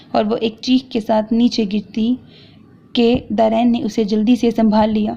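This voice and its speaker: A woman narrating a romance audio novel with steady, dramatic storytelling. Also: on the high side, vocal fry. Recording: dull lo-fi recording.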